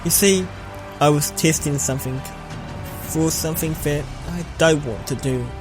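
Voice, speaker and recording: A man playing an earnest heroic defender in an amateur audio roleplay, with deliberate, theatrical delivery. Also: fairly high pitch, music in the background, lightly acted. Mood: defensive. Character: earnest heroic male defender of a threatened reality.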